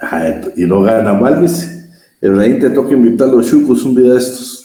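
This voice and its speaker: A man's ordinary speaking voice, set at a medium pitch, moves at a moderate pace with lively intonation. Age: 60s. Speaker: law professor. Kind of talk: lecture.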